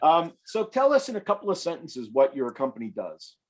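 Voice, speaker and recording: A man hosting a business podcast, asking questions in a friendly, easygoing way and answering with quick affirmations. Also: on the high side, huge pitch swings. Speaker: podcast host. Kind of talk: casual interview hosting.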